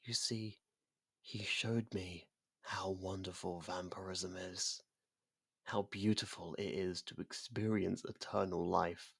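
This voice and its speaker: Man acting a slow, gravelly, seductive ancient vampire. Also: low-pitched, a bit bright, dry recording, clean studio sound, exaggerated voice. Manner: slow, deliberate, theatrical, often dropping to a whisper. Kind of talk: ASMR roleplay monologue.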